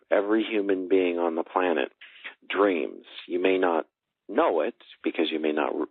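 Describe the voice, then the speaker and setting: Very deep-voiced man, muffled phone sound. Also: no echo. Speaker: spiritual coach and guest. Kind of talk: explanatory, earnest spiritual talk. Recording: muffled phone-like call audio.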